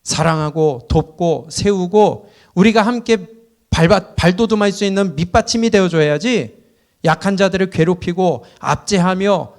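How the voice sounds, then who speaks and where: A middle-aged man with a high-set voice preaches to his congregation in a church. He presses them with question after question, rising loud and then dropping low. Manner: preaching with rhetorical questions and shifts in loudness. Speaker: pastor. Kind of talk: sermon. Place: church sanctuary.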